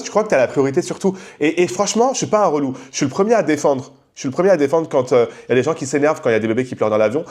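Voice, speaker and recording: A young man hosting a podcast, talking loudly in a casual, slangy rant and acting out the people he quotes. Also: mid-range voice. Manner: talks loudly. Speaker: podcast host. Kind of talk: casual ranting monologue.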